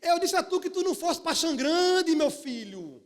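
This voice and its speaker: A fervent old church sister, loud and urgent, as a preacher puts her on. The voice sits very high and presses hard, scolding and pleading in one breath. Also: sing-song, normal speed, long reverb tail.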